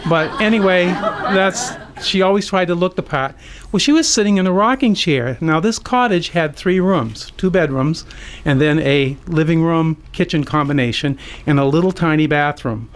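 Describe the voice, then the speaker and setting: Radio storyteller: American male, 60s, slightly high-pitched, anecdotal and amused delivery, unscripted. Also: moderate pace. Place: community radio studio.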